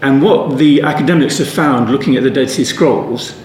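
Speaking at normal speed with a medium-pitched, darkish voice, a Bible teacher talks through an unscripted study session. His delivery is rambling and reflective, full of restarts and tangents, and the room sounds echoey with faint ambient noise.

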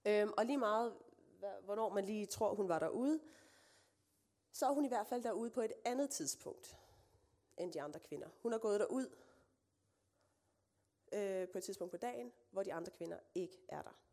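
A woman's voice: mid-range voice, pauses often, warm tone. A woman preacher giving a conversational sermon, reading scripture with casual asides and fillers.

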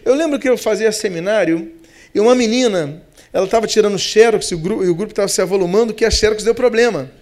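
A man with a Brazilian Portuguese accent, preaching a sermon as pastor, stretching key words slowly and hurrying through asides. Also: high voice, darkish tone.

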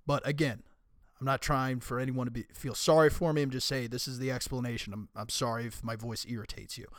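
A young man with a raspy, hoarse voice talks through a solo podcast, casual and conversational but emphatic when he makes a point. His pitch sits in a middle range. The recording is dry and close, with no room sound. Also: fairly even intonation, fairly quick, no echo. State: hoarse from screaming and illness. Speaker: podcast host.

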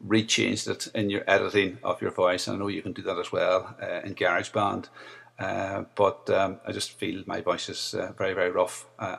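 A man with a Northern Irish accent and a deep, rough voice, leaving a hesitant recorded message for a podcast host with many fillers. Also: a bit bright. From Northern Ireland. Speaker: listener sending in a voice message.

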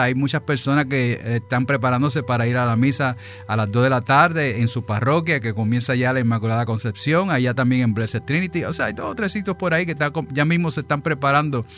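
A man's voice: mid-range voice, fairly bright tone. A man from New York with Puerto Rican parents, hosting a Catholic radio program in a folksy, chatty way with many filler sounds. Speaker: radio program host, deacon. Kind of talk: casual radio talk and Bible reading.

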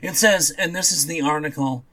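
Мужчина с довольно высоким голосом, прямолинейный. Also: male voice, a little high, moderate pace, sharp tone, poor audio. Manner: blunt, dismissive, swears casually. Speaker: podcast co-host. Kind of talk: casual chat about comics.

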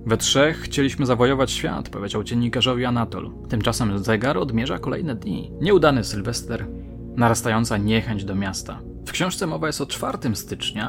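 Measured male true-crime narrator. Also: gravelly. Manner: measured, dramatic storytelling with low dropping phrase ends. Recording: faint music bed under the voice.

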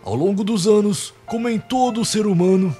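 Man playing high-pitched theatrical Santa Claus. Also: normal speed, warm tone, close to an everyday voice. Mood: explaining, storytelling. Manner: theatrical, long-winded, exasperated. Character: nervous, rambling Santa Claus, crude and avuncular. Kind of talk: comedic radio play acting. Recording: music behind the voice.

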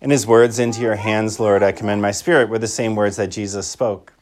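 A man speaks in a fairly low, fairly even voice at a fairly quick pace, taking the role of a Catholic priest. He gives a liturgical Gospel reading and a homily in a reflective manner. He often repeats a phrase for emphasis.

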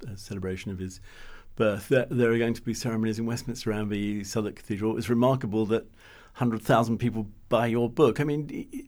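A man's voice: fairly low pitch, steady tone, fairly quick, hardly any pauses, a little mellow. A man with an English accent interviewing an author in a conversational, somewhat hesitant way. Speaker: book editor interviewing an author.

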